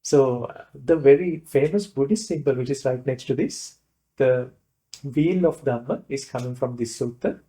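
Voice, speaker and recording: A man with a Sri Lankan accent, a Buddhist monk giving an informal lecture in a hesitant, explanatory way, often pausing to rephrase. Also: medium pitch, dark tone. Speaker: Buddhist monk teaching a class.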